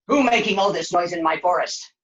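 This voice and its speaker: A woman voicing a grumpy forest monster in a puppet show, blunt and gruff, talking in broken grammar. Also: fairly low pitch, brisk, fairly bright tone, muffled recording, close to an everyday voice. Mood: grumbling. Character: grumpy forest monster, blunt, easily exasperated, secretly kind.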